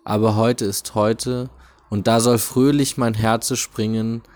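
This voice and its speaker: A man hosting a podcast, reading a devotional text aloud in a deliberate, solemn way near a busy street. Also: fairly low pitch, steady tone, a little mellow. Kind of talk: slow, measured reading of a spiritual text.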